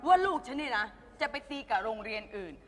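A woman playing a pompous, shrill rich mother who bullies the school head in a TV comedy sketch. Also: big pitch swings, fast, a bit bright, big-room sound, soft background music. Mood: haughty. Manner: haughty, scolding, comic.

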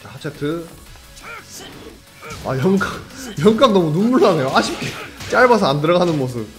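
Excitable man calling a fighting match. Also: on the high side, over music. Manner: excitable, chatty, jokes with viewers, quick reactions. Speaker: esports commentator. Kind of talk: live fighting game commentary.

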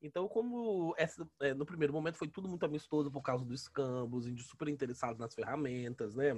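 A man's voice: medium pitch, quick pace, darkish tone, breathy edge. A Brazilian man in his thirties with a sore, inflamed throat, casually explaining as a teacher on a headset in an online lesson, often adding tag questions. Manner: colloquial, often adding "né" and "tá" tags. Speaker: history teacher. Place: small room at home, indoors. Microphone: headset on a video call.

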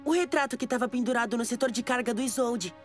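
A woman's voice: fairly high pitch, fast, over music, close to an everyday voice. A woman voicing an earnest, curious, hopeful young boy in a dubbed cartoon. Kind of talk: animated cartoon dub.

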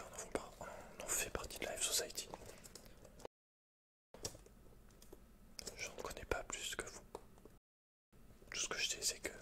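A young man playing a guarded computer repairman and hacker in a halting, breathy whispered ASMR roleplay. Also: lightly acted. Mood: guarded, brooding. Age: young adult. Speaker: ASMR creator. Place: small indoor set, dark backdrop.

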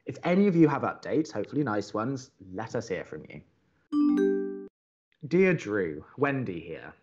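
A man playing a conciliatory young college radio co-host in an audio drama, placating and a little hesitant, expressive when reading aloud. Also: fairly low pitch, a little slow, slightly rough, lo-fi sound, soft background music, exaggerated voice. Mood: reassuring.

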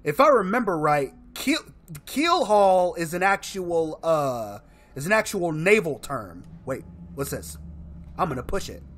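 Animated man commentating on a game. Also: on the high side, a little slow, slight background noise. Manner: expressive, reacting aloud to the game. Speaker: video game streamer. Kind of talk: casual gameplay commentary with read-aloud game text. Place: indoor room, solo gaming setup.

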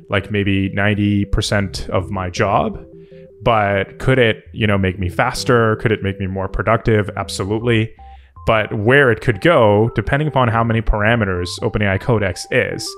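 A man hosting a tech video, giving casual off-the-cuff commentary in a hesitant, thinking-aloud manner. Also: lowish voice. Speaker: tech video host and software developer. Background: background music.

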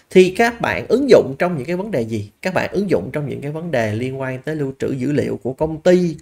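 A man's voice: fairly high pitch, gravelly. A man teaches over a slide deck, walking through each point in a plain conversational way. He poses rhetorical questions to his listeners and leans on small fillers as he thinks. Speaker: business analysis instructor. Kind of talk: slide lecture.

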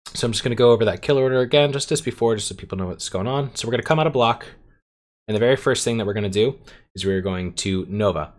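A man giving step-by-step commentary over his own gameplay, explaining a dungeon strategy. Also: lowish voice. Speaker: game guide creator.

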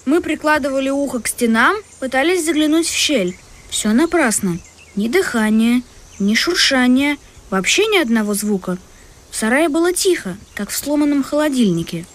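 High-voiced woman narrating a kids' tale. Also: lively intonation, normal speed. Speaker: audiobook narrator. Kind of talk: first-person children's tale narration. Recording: music bed under the voice.

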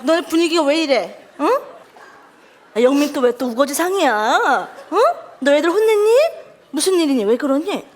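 A woman playing a calm, motherly elderly teacher who speaks slowly and deadpan in a comedy sketch. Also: high voice. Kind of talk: sketch comedy acting before a live audience. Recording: TV stage with loud audience and noise.

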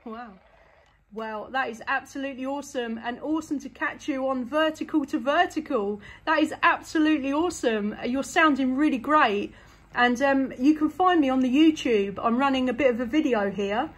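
A woman's voice: sits high, moderate pace. A woman with an English accent chatting casually and enthusiastically as a CB radio operator. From England. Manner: enthusiastic, effusive.

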